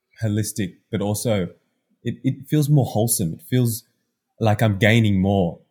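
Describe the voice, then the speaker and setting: A somewhat breathy voice with a dark, mellow tone, at a moderate pace with ordinary pitch variation, in a very clean recording with a silent background. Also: man. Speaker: podcast host interviewing. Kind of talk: casual interview.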